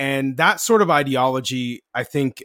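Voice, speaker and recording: With a Canadian accent, a man uses a normal speaking voice, ordinary pitch variation and a fairly slow pace. The sound is dry and close with no echo, in a very clean recording with a silent background. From Canada, Brampton, Ontario. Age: 30s. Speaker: author and think tank president. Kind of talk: interview.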